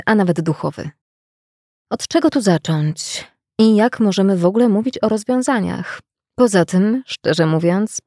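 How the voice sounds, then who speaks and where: A woman giving a measured, reflective reading of scripted self-help narration. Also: medium pitch, dark tone, no room sound, clean studio sound.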